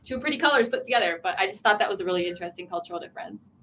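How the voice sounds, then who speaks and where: Young woman livestream host, quick chatty delivery, giggly, reads out viewer questions, faint room tone. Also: mid-range voice, lively intonation, pushed and bright, slight background noise. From Virginia, USA. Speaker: vlogger hosting a livestream. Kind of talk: casual livestream chat. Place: small tea room in an inn.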